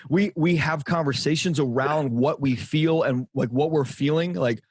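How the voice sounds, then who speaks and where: A man's voice: on the high side, normal speed, a little mellow, husky, no echo. A middle-aged man, a guest on a podcast, speaking directly and emphatically about relationships. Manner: emphatic, direct, repeats for stress. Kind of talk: conversational interview.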